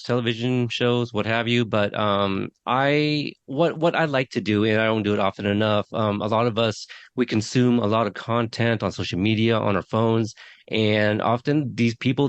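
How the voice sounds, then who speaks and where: A man's voice: on the low side, no echo, muffled recording. A man in his thirties hosting a podcast, chatting casually with many fillers and restarts. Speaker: podcast host. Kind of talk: casual interview chat.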